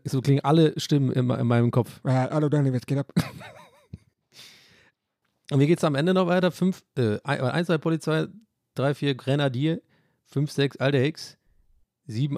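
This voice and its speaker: A man's voice: mid-range voice, normal speed, dark tone, dry recording. Male podcast host, casual solo monologue, self-mocking and rambling, dry close phone mic. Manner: rambling, self-mocking, jumps between tangents. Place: hotel room. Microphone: phone microphone.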